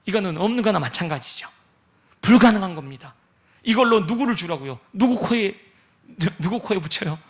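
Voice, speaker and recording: A man's voice: high voice, expressive, fairly quick. A man preaching a sermon as a pastor, acting out prayers and the words of Jesus with dramatic swings, sometimes dropping to a near whisper.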